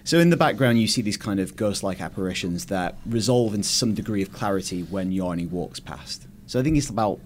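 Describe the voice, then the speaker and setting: A man with a British accent and a fairly low voice talks through games in a thoughtful, explanatory way. He sounds like a guest on a casual podcast, with some noise behind him. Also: animated, brisk, few pauses. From United Kingdom. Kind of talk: casual game discussion.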